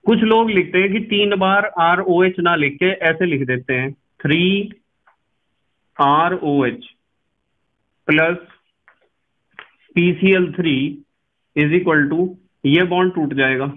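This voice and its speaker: A man with a somewhat high voice teaching a chemistry lesson. He talks patiently, puts questions to the class, answers them himself, and spells terms out slowly. The sound is thin and tinny, like a phone line. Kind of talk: classroom lecture.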